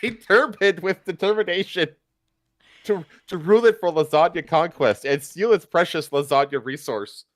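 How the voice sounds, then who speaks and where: A man's voice: high voice, normal speed, no echo. A man doing a comic reading of fan fiction on a stream, with casual asides.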